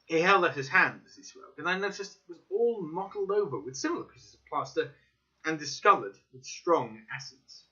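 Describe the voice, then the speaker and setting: Expressive man narrating, very animated. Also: fairly high pitch, moderate pace. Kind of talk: dramatic scripted first-person narration. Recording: dull, slightly lo-fi recording.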